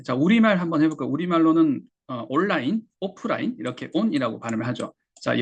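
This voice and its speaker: A Korean man teaches English pronunciation in a patient, step-by-step lesson, slowly repeating each word for his learners. His voice is gravelly and husky, sitting at an ordinary pitch for a man. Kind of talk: explaining lesson.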